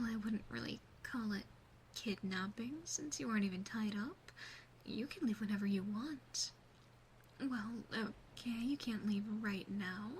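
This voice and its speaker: A woman voicing an obsessive, doting demon sister in an ASMR roleplay, speaking softly and close with breathy whispering. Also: fairly high pitch, slight background noise, low-quality recording. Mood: sheepish, coaxing. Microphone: close binaural microphone.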